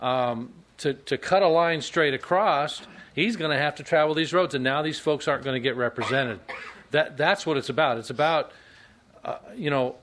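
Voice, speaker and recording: A man's voice: on the high side, normal speed, a bit bright. Guy at a public hearing, earnest, keeps repeating himself a bit. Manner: earnest, repeats words while thinking. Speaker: public commenter.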